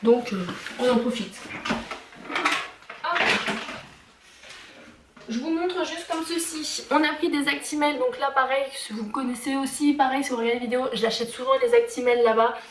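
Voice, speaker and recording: High voiced woman rambling thru a haul at home, echoey room. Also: slight background noise. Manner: chatty, halting with many fillers. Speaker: vlogger. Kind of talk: casual haul vlog. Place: home kitchen and garage.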